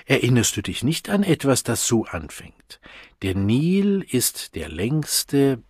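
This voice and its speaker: Ein Mann, der in einem Hörbuch einen Erwachsenen spricht, der einen kleinen Jungen eindringlich ausfragt. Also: male voice, mid-range voice, very animated, takes it slowly, a little mellow, husky, no echo, studio quality, voice pushed up, heavily acted. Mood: coaxing. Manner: coaxing, insistent. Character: adult coaxing a small boy at breakfast. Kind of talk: audiobook reading.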